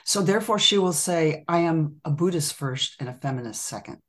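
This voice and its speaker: A woman guest on a podcast, telling a story in a thoughtful, measured way. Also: deep voice, animated. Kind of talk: casual conversation.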